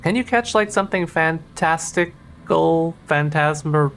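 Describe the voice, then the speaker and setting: A man's voice: a little high, unhurried, creaky, a bit bright, slight background noise. A man hosting a let's play, reading dialogue aloud and joking around in a rambling, self-interrupting way. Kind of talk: casual game commentary and reading dialogue.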